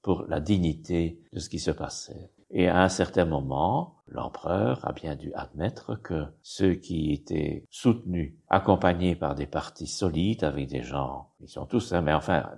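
Older man, deep husky gravelly voice, digressive answers. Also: moderate pace, hardly any pauses, darkish tone. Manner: rambling, digressive, with frequent "hein". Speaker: bishop and historian guest. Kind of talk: explanatory interview answers.

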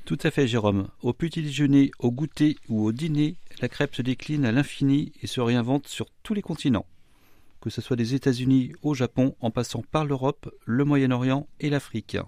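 A man's voice: mid-range voice, normal speed, warm tone, no room sound, clean studio sound. A man appearing as a chef guest on a radio show, answering questions and explaining recipes in an assured way.

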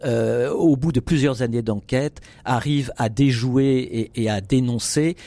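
A man's voice: mid-range voice, measured pace, dark tone, no room sound. A man reviewing a film on air, hesitant, with many restarts and fillers. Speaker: cultural commentator.

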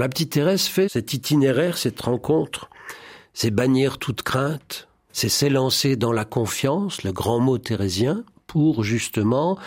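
A low-pitched man with a husky edge talks in a fervent, preacherly way, often quoting scripture. He is a guest in a spiritual radio interview, and the sound is close and dry. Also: no echo. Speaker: priest and songwriter, interview guest.

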